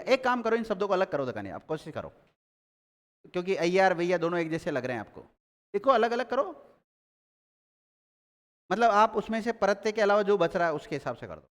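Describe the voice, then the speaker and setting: A man's voice: high voice, expressive, a little fast, long pauses, big-room sound. A man teaching a grammar class, quizzing his students and repeating key words as they take notes.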